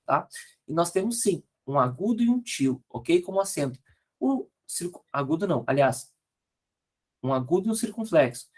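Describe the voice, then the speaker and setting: A man with a Brazilian Portuguese accent teaching an online grammar lesson, explaining rules patiently and checking in with frequent tag questions. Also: sits high. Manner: spells out letters slowly, corrects slide errors aloud.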